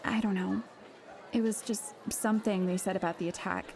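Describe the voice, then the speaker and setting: A woman's voice: mid-range voice, steady tone, gravelly, a faint crowd, natural voice. An actress playing a nervous, sheltered teenage schoolgirl in an audio drama, speaking hesitantly. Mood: uneasy, withdrawn. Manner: hesitant, soft-hearted, halting. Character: nervous, sheltered teenage schoolgirl, female, unsure but candid.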